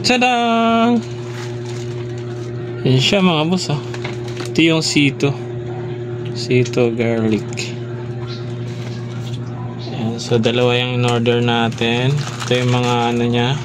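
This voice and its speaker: A man's voice: medium pitch, slow, pauses often. A man with a Filipino accent chatting casually through an unboxing as a vlogger, in short informal phrases. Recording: loud vehicle and background noise.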